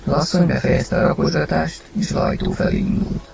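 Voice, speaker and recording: A man reading a story aloud, narrating and acting the husband's lines with sudden loud outbursts. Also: on the high side, steady tone, creaky, a little hiss or hum. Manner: acted, rising to shouts in heated lines. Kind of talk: dramatized audiobook reading.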